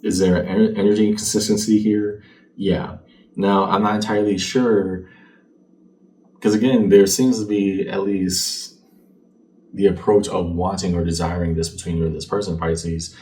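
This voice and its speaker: Deep-voiced man reading tarot, slightly distant. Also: steady tone, normal speed, dark tone. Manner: conversational, checks in with "right?". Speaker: tarot card reader. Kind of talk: casual fortune-teller card reading to viewer. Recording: distant mic, faint background noise.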